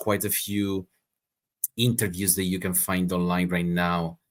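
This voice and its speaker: A man with an Italian accent speaks in a very deep, low, monotone voice with flat intonation. The recording is very clean with a silent background. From Italy. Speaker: musician and ex-Jehovah's Witness. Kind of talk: interview. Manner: halting, many repeated words.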